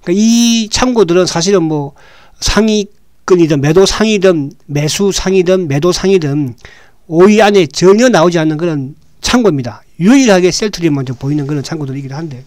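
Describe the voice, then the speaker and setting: A man with a hoarse, slightly raised voice talks through the day's stock market like a regular show host. He speaks casually, restarts his sentences and keeps asking his listeners "right?" The sound is dry and close. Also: high-pitched, a little mellow, no echo. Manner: talks with frequent "right?" tag questions, halting restarts.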